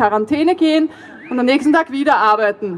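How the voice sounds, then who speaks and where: Her pitch high and its variation ordinary, a woman speaks at a moderate pace. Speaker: speaker. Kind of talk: public speech. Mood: indignant, critical. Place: stage.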